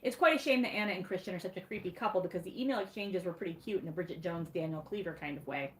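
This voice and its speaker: A woman's voice: lowish voice, very fast, echoey room, a little hiss or hum, low-quality recording. A woman with a Michigan accent reading her own snarky book recap aloud on a livestream, wry and sarcastic, with laughs at her own jokes.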